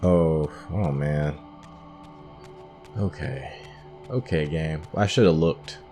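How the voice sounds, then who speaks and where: A gamer hosting a playthrough speaks slowly in a rumbling, low, dark voice, with faint music in the background. He gives casual commentary while playing a video game, musing and thinking aloud as he works things out.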